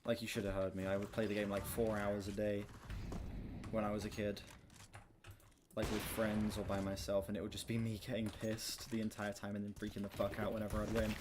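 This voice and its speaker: Low-pitched young man, candid streamer. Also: brisk. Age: young adult. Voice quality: self-described monotone, projected streaming voice. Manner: candid, swears casually. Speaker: gaming livestreamer. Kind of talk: casual chat to a stream audience. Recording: clear background noise, keyboard clicks. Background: keyboard typing and clicks.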